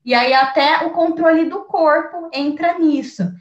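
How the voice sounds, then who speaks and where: A woman's voice: high voice, a little slow, echoey room, highs cut off. A Brazilian woman teacher talking through her teaching approach in an interview, thoughtful, with many fillers and restarts. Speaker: teacher and researcher, guest. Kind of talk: conversational interview.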